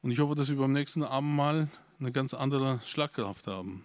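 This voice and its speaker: A man's voice: mid-range voice, moderate pace, no echo. Emphatic male preacher, dry sound. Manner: emphatic, rising to insistent peaks; hesitant restarts and fillers. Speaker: pastor. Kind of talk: sermon.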